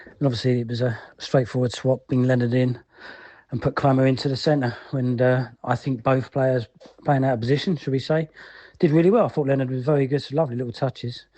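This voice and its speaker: A man talks through a match as a fan leaving a message. His voice is medium in pitch with a soft, dark tone. He rambles along informally and colloquially. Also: steady tone, a little fast. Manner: colloquial, rambling, frequent "you know". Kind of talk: casual spoken match review.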